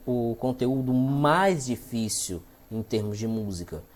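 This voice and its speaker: Using an unremarkable speaking voice, a man talks at a medium pitch with lively intonation. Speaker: music teacher. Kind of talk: lecture.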